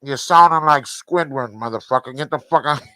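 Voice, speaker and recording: A nasal, self-pitying crybaby whines and stammers through his complaints, as a man mocks him. The voice sits low and droning. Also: normal speed, background noise, lightly acted. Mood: mocking whine. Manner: mocking, whimpering and stammering.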